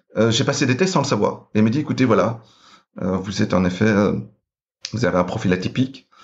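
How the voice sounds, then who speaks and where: A fairly low-pitched man speaks with a slight Belgian accent and lively intonation. He takes long, frequent pauses while keeping his loudness very even. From Belgium. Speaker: financier, former banker. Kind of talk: podcast interview answer.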